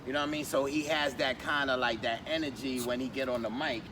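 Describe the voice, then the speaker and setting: A man's voice: medium pitch, steady tone, fast. A man telling long stories as a podcast guest, rambling with many ums and restarts. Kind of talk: casual storytelling chat. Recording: distant mic, street noise.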